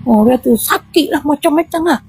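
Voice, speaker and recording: A woman with a Terengganu Malay accent, a guest telling a true horror experience in casual, animated style and acting out sounds and quoted voices. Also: sits high, moderate pace, faint music behind. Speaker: guest recounting a spirit healing.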